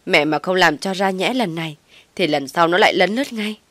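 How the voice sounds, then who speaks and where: A woman playing a dramatic old mother-in-law, loud wailing lament, scolding, lowish voice, dry sound. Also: lively intonation, brisk, no room sound. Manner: wailing, theatrical complaining.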